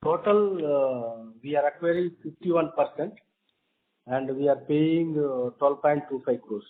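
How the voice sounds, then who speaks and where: A man with an Indian accent answering questions as a company executive in brief, halting, agreeable replies. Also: on the high side. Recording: noisy tinny phone line with clicks.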